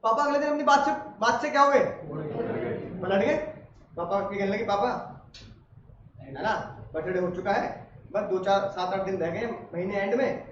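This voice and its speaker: A man's voice: high-pitched, normal speed, pauses often. A male teacher giving a classroom lecture as a comic story. He laughs often and acts out family scenes. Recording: echoey classroom, distant mic, muffled, noisy.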